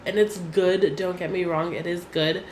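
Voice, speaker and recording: A woman's voice: fairly low pitch, fairly even intonation, moderate pace. A young woman with a stuffy, nasal voice from a cold, chatting casually as a beauty vlogger and often saying "like". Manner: chatty, frequent "like" fillers. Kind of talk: casual chat. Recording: echoey room, faint room hum.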